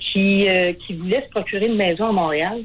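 A normal speaking voice of a woman, pitched in the middle range and with usual pitch movement. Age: 60s. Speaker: caller. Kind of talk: testimony. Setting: phone call.

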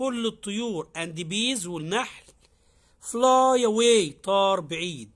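On a very clean recording with a silent background, a man talks at a very slow pace with very wide pitch swings. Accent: Egyptian. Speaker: English teacher. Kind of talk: tutorial. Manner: halting.

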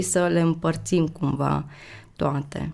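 A very clean recording with a silent background captures a woman speaking. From Romania, Baia Mare (Maramureș). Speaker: university lecturer and engineer. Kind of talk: podcast interview. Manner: calm, gentle.

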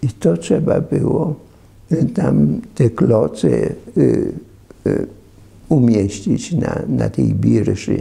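A man is talking. His pace is very slow. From Poland. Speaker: priest, Siberian deportee. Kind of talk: oral history interview answer. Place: home room. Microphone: lapel.

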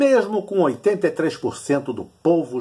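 A voice with a Brazilian accent swings very widely in pitch, with vocal fry and a dark, mellow tone. The background is quiet. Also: man. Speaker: poet and satirical commentator. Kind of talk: satirical pep talk, mock coach's speech rallying athletes with numbered commands. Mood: ironic, declamatory. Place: home room. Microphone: phone near.

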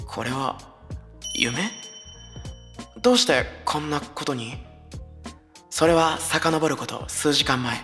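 Over faint background music, the speaker goes at a very slow pace with lively intonation and long, frequent pauses. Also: man, fairly high pitch for a man. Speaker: virtual streamer. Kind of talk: dramatic reading of a fan-written romance story. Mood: playful, embarrassed dramatic.

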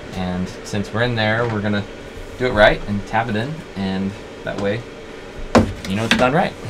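Loud noise fills the background as a man talks fairly quickly. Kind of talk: casual vlog chat. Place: boat. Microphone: camera far.

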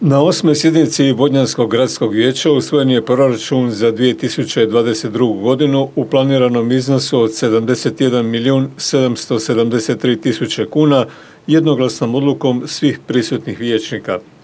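A man talks in a normal speaking voice at medium pitch, with fairly even intonation. His pace is fairly slow, with hardly any pauses. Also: very even loudness. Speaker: news reporter. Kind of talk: news reading. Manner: formal.

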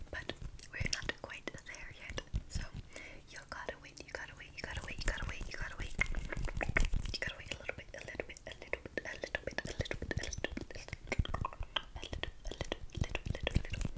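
Someone whispers at a very fast pace with long, frequent pauses over noticeable background noise. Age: 20s. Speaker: ASMR creator. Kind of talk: ASMR whispered ramble. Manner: whispered, soft-spoken.

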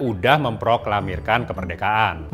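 A man talks at a moderate pace. There is faint music behind him. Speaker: presenter. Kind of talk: educational storytelling to camera. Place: studio.

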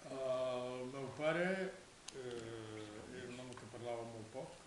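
Speech comes at a very slow pace with fairly even intonation. Background noise is noticeable. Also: man. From Catalonia, Spain. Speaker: former anarchist resistance fighter and bookseller. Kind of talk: interview answer. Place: home room.

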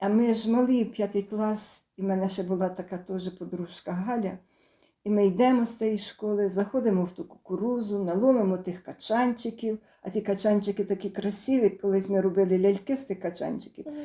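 A woman's dark, mellow voice at medium pitch, moderate pace and fairly even intonation. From Khmelnytskyi region, Ukraine. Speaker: dialect informant. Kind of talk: interview answer, reminiscence.

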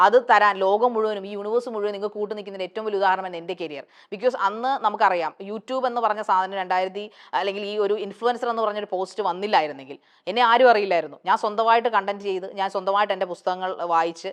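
A woman speaks in a plain, everyday voice at a medium pitch, her intonation fairly even. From Kerala, Alappuzha. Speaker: TV anchor. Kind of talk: interview.

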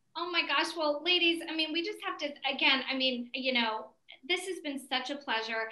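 A woman's high, raised and projected voice with a bright, sharp tone, moderate pace and ordinary pitch variation, with audible room echo against a quiet background. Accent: American. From Georgia, US South. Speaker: podcast host and actress; podcast host, actress. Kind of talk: casual chat. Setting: video call. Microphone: video call.

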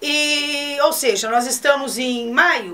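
Her voice is raised and projected. The woman's tone comes across bright and sharp. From Guarulhos, São Paulo, Brazil; São Paulo, Brazil. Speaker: TV talk show host. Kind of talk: TV interview. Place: studio.

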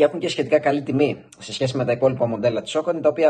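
This man talks at a very fast pace in a fairly high pitch with ordinary pitch variation. His tone is dark and mellow and somewhat breathy. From Thessaly, Greece (Elassona, Larissa); Thessaly, Greece. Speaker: amateur runner and YouTuber; YouTuber. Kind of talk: vlog narration. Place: home room. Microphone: phone near.

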